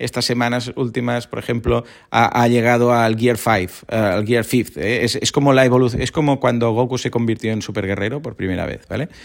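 Over a very clean, silent background, a man of medium pitch talks at a moderate pace with hardly any pauses. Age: 40s. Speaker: podcast host. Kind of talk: personal reflection monologue. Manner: casual, hesitant with repetitions.

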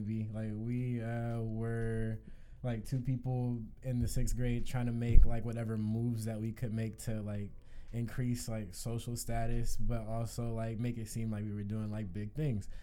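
A man's dark, mellow tone carries audible room echo. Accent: American. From Los Angeles (Mid City). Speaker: music producer and DJ. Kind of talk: casual chat.

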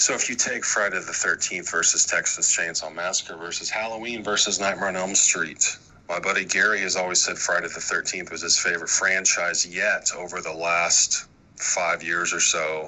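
A man talks at a moderate pace while noticeable noise carries on in the background. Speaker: patron sending a voice message. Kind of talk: casual voice message. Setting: recorded voice message played on the show.

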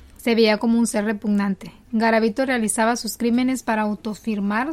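The woman's voice is fairly high in pitch. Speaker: co-presenter analysing criminal psychology. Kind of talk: casual chat; reading aloud. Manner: quiet, does not project her voice.

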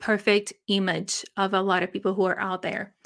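In a Portuguese accent, a woman with a medium pitch talks at a moderate pace on a very clean recording with a silent background. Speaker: business coach and podcast host. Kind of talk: solo motivational podcast talk. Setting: home recording, video podcast. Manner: animated.

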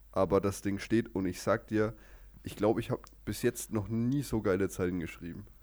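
Recorded very cleanly with a silent background, a man with vocal fry speaks at a moderate pace with ordinary pitch variation. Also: fairly low pitch for a man. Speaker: podcast co-host and amateur rapper. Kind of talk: casual chat.

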